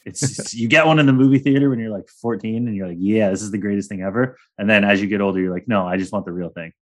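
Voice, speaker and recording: A man's voice: lowish voice, quick pace. A young man hosting a sports podcast in casual chat, rambling and joking with crude humor. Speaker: podcast host.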